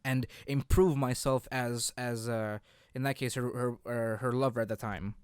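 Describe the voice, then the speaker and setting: A man hosting a casual podcast chat about games, halting as he repeats and rephrases himself. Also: mid-range voice, steady tone, smooth, dry recording, studio quality. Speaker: podcast host.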